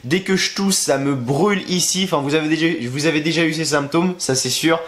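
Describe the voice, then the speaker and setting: A man's voice: a little high, fairly quick, fairly bright tone, roomy sound. A young man with the flu, congested and worn out, ranting crudely and sarcastically to the camera in a wrestling review. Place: at home, in a bedroom. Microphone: camera facing him.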